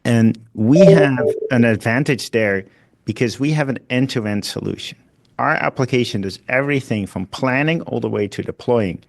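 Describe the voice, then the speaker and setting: A man speaking as a chief executive, giving deliberate explanations on an earnings call. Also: mid-range voice, creaky.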